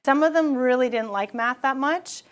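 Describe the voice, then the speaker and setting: A woman's voice: sits high, normal speed. A woman children's book author talking about her books and reading a passage aloud with playful emphasis.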